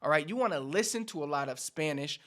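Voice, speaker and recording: A man's voice: a little high, expressive, fast, fairly bright tone. A Puerto Rican man with a Puerto Rican accent teaching Spanish to viewers in an upbeat, instructive way. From Puerto Rico. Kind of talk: direct-to-camera language lesson.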